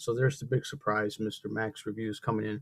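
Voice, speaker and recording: In an American accent, a man talks with a somewhat breathy voice. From US Midwest. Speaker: livestream host, photographer and musician. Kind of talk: casual live stream chat. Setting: live stream, not in usual spot. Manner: soft-spoken, kept quiet; halting, many fillers.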